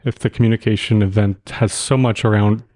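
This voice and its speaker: A man's voice: on the low side, fairly even intonation, a little fast, a little mellow. A man hosting a reflective discussion, tentatively rephrasing his thoughts as he goes. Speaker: podcast host.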